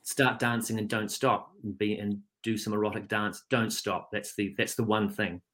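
A man's voice: on the low side, flat delivery, normal speed, fairly bright tone, a little hiss or hum. A man on a panel, an actor chatting with wry, jokey asides. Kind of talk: joking panel chat.

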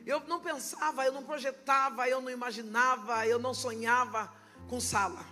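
A Brazilian woman pastor giving a testimony sermon at a church service, impassioned and rising to shouted preaching. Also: on the high side, fairly even intonation, brisk, faint music behind. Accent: Brazilian Portuguese.

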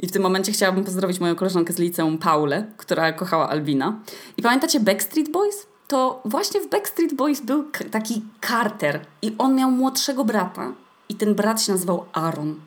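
A woman's voice: mid-range voice, expressive, normal speed. A young woman hosting a podcast, talking in a chatty, colloquial and playfully ironic way. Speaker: podcast host. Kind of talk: casual solo podcast monologue.

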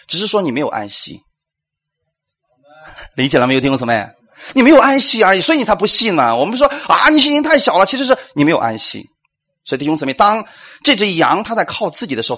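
A man's voice: high voice, a bit bright. A male pastor preaching a sermon, asking rhetorical questions, acting out quotes and calling for amens.

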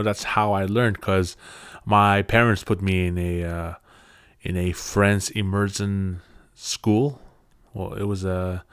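A man in his thirties whose first language is Cree, hosting a podcast and telling a personal story in a casual, halting way, often restarting his phrases. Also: on the low side, smooth, no echo, clean studio sound. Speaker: podcast host.

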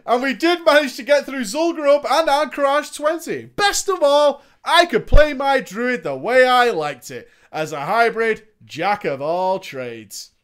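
Animated, high-voiced man. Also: measured pace, few pauses, clear, resonant tone. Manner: animated, sarcastic asides, laughs often. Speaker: story reader. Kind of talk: comic reading of a gaming story with asides.

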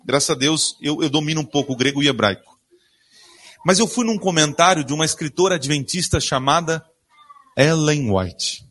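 A man's voice: a little high, moderate pace, fairly bright tone. A man preaching a sermon, reading Bible verses aloud and questioning his congregation in a church. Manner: asks the congregation questions and answers them himself.

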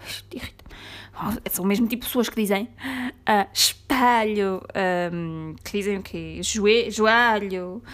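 A woman from Mangualde in Portugal with a light Beira-tinged European Portuguese accent, hosting a casual solo podcast. She rants in a chatty way, jumping between loud bursts and near-whispers. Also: mid-range voice, unhurried. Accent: European Portuguese, slight Beira. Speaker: podcast host.

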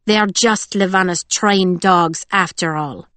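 A woman reader acts a feisty young woman in an audiobook. She is blunt and sarcastic, with a sharp tongue. The sound is close and dry. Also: lowish voice, measured pace, no room sound.

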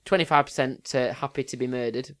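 A man co-hosting a podcast in casual chat, gently teasing and feeling his way through sentences. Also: mid-range voice, fairly even intonation, brisk. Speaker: podcast co-host.

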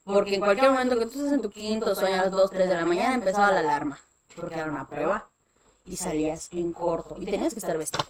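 A young Mexican woman with a Mexican accent, telling personal stories in a casual chat, full of fillers and animated asides. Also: mid-range voice, quick pace, a crowd in the background. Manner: chatty, animated, many fillers like "este". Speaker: guest.

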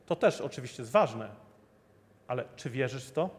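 A man's voice: medium pitch, animated, moderate pace. A man preaching a sermon, earnestly repeating rhetorical questions to his listeners. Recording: long hall reverb.

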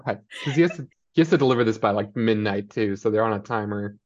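Relaxed co-host on a muffled recording. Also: mid-range voice, fast talker. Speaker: podcast co-host. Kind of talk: casual chat.

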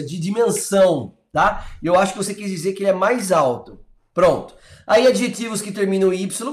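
Teaching English live online, a Brazilian-accented man keeps things friendly and supportive, sprinkling in small fillers. His voice is high-pitched and reverberant.

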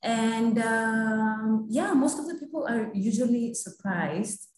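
A woman's voice: on the high side, slow, a little mellow, echoey room, poor audio. A young woman from Greece, answering interview questions earnestly and thoughtfully, often checking in with the listener. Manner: earnest, thoughtful, frequent "you know" and "right?".

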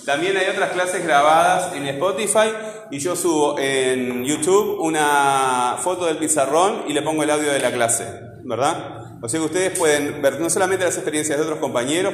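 A male teacher, patiently drilling a class and repeating phrases slowly. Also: a little high. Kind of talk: classroom lesson. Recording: echoey classroom with long reverb.

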